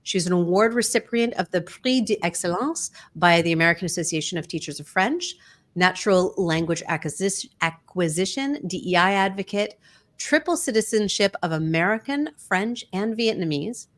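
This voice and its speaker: Halting woman podcast host. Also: fairly low pitch, animated. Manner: halting, with fillers and self-corrections. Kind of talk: interview introduction.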